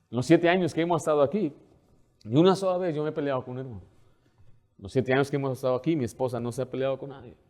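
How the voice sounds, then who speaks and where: A male pastor preaching a sermon. He asks questions and answers them himself, slows down to read scripture, and moves between soft asides and loud, urgent appeals. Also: medium pitch. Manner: swings from soft asides to loud, pressing exhortation.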